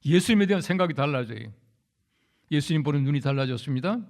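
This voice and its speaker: A pastor delivers a conversational storytelling sermon, speaking straight to the congregation and recounting anecdotes with acted-out quotes. He talks fast and animatedly in a voice on the high side.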